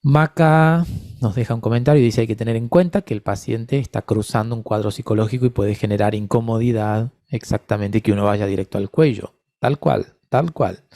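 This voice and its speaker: A man's voice: lowish voice, fairly quick, mellow, dry recording, clean studio sound. A man lecturing in an online course on voice therapy, patiently answering attendees' questions by name.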